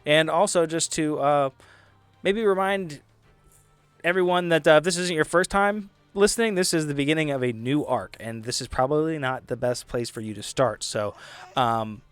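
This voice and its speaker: A man's voice: a little high, normal speed, smooth, no room sound, faint music behind. A man speaking casually as a podcast host, chatting to listeners and fellow players.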